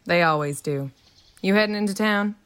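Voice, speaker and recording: A woman's voice: mid-range voice, moderate pace, a bit bright, close to an everyday voice. A woman playing a chatty, friendly small-town diner local in an audio drama, folksy and inquisitive. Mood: friendly, curious. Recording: clear outdoor ambience with birdsong.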